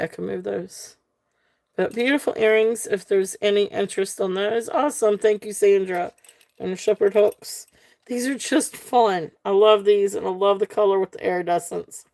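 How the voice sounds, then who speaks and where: A middle-aged woman with a relaxed Southern drawl runs a live jewelry auction. She talks slowly and casually, filling pauses with ums and little laughs as she describes each piece. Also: mid-range voice, gravelly. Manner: chatty, folksy, with frequent ums and soft laughs. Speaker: live jewelry sale host. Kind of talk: casual live-stream selling.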